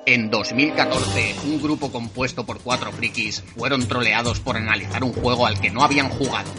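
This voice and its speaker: A man's voice: mid-range voice, normal speed, loud music behind the voice. Man narrating a mock trailer promo.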